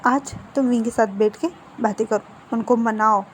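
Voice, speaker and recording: A woman's voice: on the high side, fairly even intonation, normal speed, slight background noise, lightly acted. A woman voicing an insistent middle-aged mother who persuades and scolds, in a narrated story.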